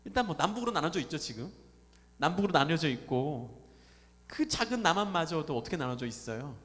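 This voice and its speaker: Man, pastor, sermon, conversational, asks questions, animated pitch, long church reverb. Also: brisk. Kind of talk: Sunday sermon. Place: church sanctuary.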